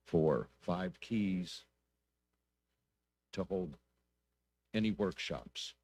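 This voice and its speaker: A low-pitched male council member speaks at a public meeting. He is plainspoken and deliberate, putting probing questions one step at a time. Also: dry recording.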